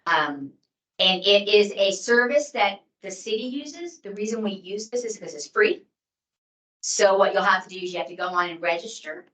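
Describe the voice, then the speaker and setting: Woman, city staffer, loud and forceful, recorded from across the room. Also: mid-range voice, expressive, moderate pace, reverberant. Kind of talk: public meeting explanation. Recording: distant mic in a room.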